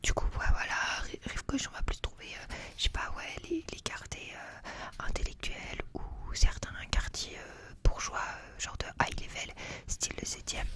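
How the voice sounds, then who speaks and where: A young adult woman chats informally about books in a soft library whisper, ASMR style, rambling with youthful slang. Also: normal speed. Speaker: ASMR book vlogger. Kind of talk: ASMR book haul chat.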